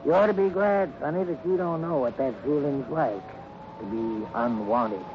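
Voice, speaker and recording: A man's voice: a little high, normal speed, close to an everyday voice. A man playing a genial, wistful old hobo with folksy talk in a 1950s radio western. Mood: wistful, bitter. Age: older. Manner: folksy drawling phrases, chuckling. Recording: noisy, muffled old radio recording.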